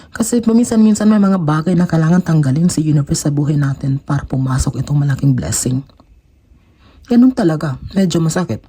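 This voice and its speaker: A man's voice: a little high, mellow, breathy edge. A young man with a Filipino accent giving an emotional tarot reading, switching between Tagalog and English. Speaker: tarot reader.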